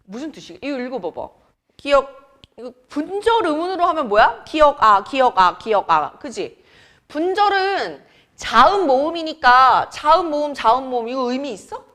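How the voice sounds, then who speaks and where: A young Korean teacher from Seoul lectures her academy class at a moderate pace, her slightly high voice lively and swooping in pitch. She's chatty, teasing her students and quizzing them as the lesson goes on.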